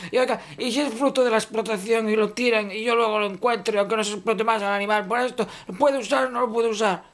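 A man's voice: sits high, steady tone, fast, a bit bright. A man with a Spanish accent doing a rambling satirical comic monologue, mock-earnest and stammering as he repeats himself.

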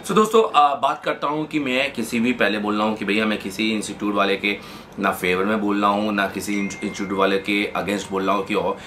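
A man's voice: fairly low pitch, fairly even intonation, brisk, pushed and bright, slight background noise. A man who teaches mobile phone repair, giving an emphatic, repetitive, colloquial promotional talk to camera, mixing in English words.

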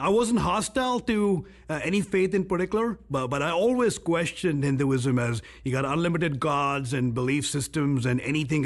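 A man from India in his forties, telling his faith story in a studio with hesitant starts. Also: a little high. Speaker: testimony speaker. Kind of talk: personal testimony. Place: bright studio.

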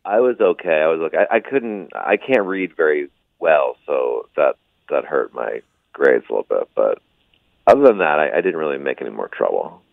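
A man's voice: very deep voice, very animated, normal speed, gravelly, no room sound, phone-quality sound. A male stand-up comedian guest on a radio show, telling rambling stories with dry, self-deprecating asides. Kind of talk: casual radio interview.

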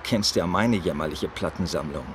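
Sociable family man , acted by a man, slightly deep, audio drama, noisy outdoor ambience. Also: normal speed, close to an everyday voice. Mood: cheerful, friendly. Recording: clear street ambience noise.

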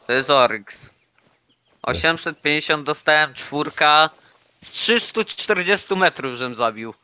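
A young man chatting casually and excitably while playing a hunting game with a friend. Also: on the high side, unhurried, clean tone. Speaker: gaming YouTuber. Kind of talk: casual co-op gameplay chat.

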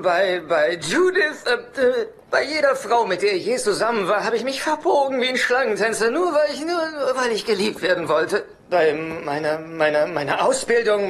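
A man's voice: high-pitched, a bit bright. An actor playing a neurotic, needy, self-pitying divorced father in a German-dubbed sitcom, stammering and whiny.

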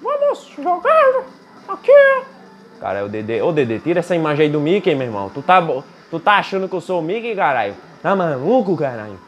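Excitable young man with a lively pitch. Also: brisk. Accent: Brazilian Portuguese. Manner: excitable, swearing, trash-talking the game. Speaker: gaming YouTuber. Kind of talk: casual gameplay commentary.

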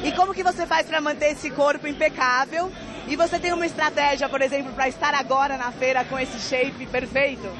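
A woman's voice: sits high, fairly even intonation, brisk. Bubbly woman reporter at a noisy expo. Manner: bubbly, complimenting. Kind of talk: on-the-spot fair interview. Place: busy indoor sports expo. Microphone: handheld mic. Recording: noisy expo hall with music and crowd. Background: crowd and music.

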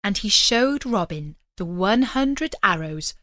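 Slow-paced woman storyteller. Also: medium pitch, expressive, pushed and bright, no echo, clean studio sound. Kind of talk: scripted storybook narration.

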